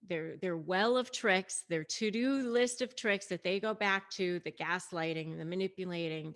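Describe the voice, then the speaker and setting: A woman's voice: on the low side, a bit bright. A woman speaking as an online coach, explaining and advising in a conversational, emphatic way straight to her viewers. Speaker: online negotiation coach and host. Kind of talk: explanatory video talk to camera, retelling and advising.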